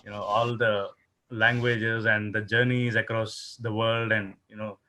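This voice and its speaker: Male host on a video call, lowish bright tense voice, hesitant. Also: level tone, measured pace. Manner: hesitant, restarts his phrases. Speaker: interview host. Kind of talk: casual video-call interview.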